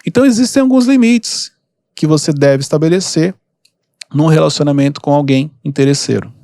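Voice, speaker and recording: A calm man hosting a podcast, giving relaxed advice with lots of everyday examples. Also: a little high, vocal fry, dry recording, studio quality. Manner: calm, unhurried, gives examples. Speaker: podcast host and mentor. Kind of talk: casual advice talk.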